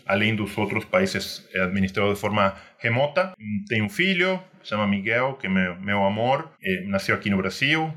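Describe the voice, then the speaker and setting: A middle-aged man from Argentina with an Argentine Spanish accent, a native Spanish speaker, speaking as an interview guest in a reflective, measured way with hesitant restarts. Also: lowish voice, bright, forceful tone. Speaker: guest, security industry executive. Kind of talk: online panel interview.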